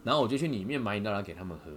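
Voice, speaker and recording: A man with a Taiwanese Mandarin accent talks quickly, with his pitch swinging widely. He hosts a podcast in a casual storytelling style and keeps checking that his listeners follow along. A faint hiss sits under his voice. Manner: lively, asks listeners rhetorical questions. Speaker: podcast host.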